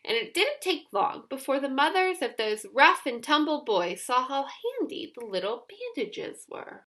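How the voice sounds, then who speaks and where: Female storybook narrator, high and very lively in pitch, expressive scripted read-aloud for children with emphatic delivery. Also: moderate pace. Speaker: storybook reader.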